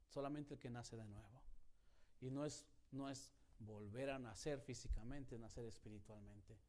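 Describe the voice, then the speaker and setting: A man's voice: medium pitch, dark tone. A male pastor, giving a conversational sermon and acting out quoted prayers and dialogue.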